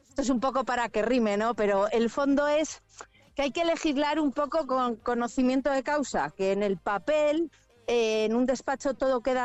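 Over music in the background, a woman speaks at a high pitch with ordinary pitch variation. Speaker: farmer. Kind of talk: phone interview. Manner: halting.

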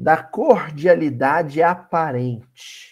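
This man's voice sits fairly high. He uses lively intonation. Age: 40s. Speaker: spiritist study leader. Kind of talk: religious study talk.

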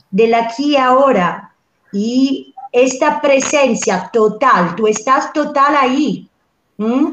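A woman with an Italian accent speaks at a very slow pace in a high pitch. Her loudness stays very even, and her pitch varies in an ordinary way. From Sicily, Italy. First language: Italian (speaking Spanish). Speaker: actress and dancer. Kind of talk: interview. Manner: halting.

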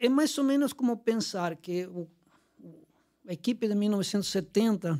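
A man's dark, mellow tone with a Spanish accent, fairly slow pace and ordinary pitch variation, on a very clean recording with a silent background. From Argentina. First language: Spanish (speaking Portuguese). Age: 60s. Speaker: university professor of sport science. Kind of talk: interview.

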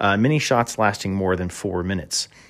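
The man has an unremarkable speaking voice with fairly low pitch. He keeps a moderate pace and ordinary pitch variation. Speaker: solo podcast host reviewing movies and games. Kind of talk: casual monologue review.

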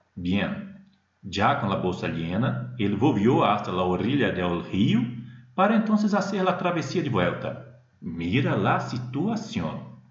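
Amid audible room echo, a man with a Brazilian accent speaks at a very slow pace. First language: Portuguese (speaking Spanish). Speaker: contest participant. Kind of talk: storytelling.

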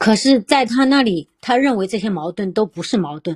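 A fairly high-pitched, somewhat breathy woman at a fairly quick pace, lively in intonation, in a dry, close sound with no echo. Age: 30s. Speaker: caller. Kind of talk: call-in advice chat.

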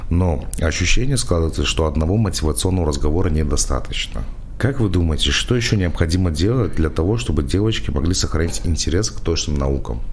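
A man with a very deep, low pitch talks at a fairly quick pace, his pitch swinging very widely while his loudness stays very even. Noticeable background noise and audible room echo are present. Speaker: podcast host. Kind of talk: interview.

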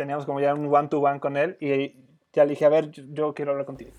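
The recording is very clean and the background is completely silent. A man with a fairly high voice talks very rapidly. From Mexico. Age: 20s. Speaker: industrial designer. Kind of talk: casual chat.

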